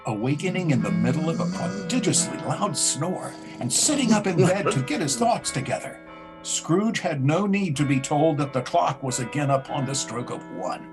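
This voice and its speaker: A man narrating a ghostly tale in a theatrical storybook style with a husky voice. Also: a little high.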